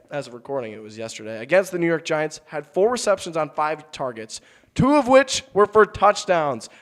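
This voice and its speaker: A young man hosting a college sports talk podcast, upbeat and loose, his voice a bit deeper from a cold. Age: young adult. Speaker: host.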